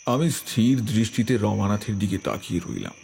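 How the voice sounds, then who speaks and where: A man narrating a scripted horror story in a slow, measured, atmospheric way. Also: fairly low pitch, lively intonation, gravelly, darkish tone, a little hiss or hum.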